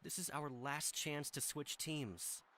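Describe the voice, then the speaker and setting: A man's voice: fairly high pitch, slow pace, background noise. A man voicing an apologetic, anxious veteran tribal warrior in a game, earnest and pressing. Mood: apologetic, frustrated.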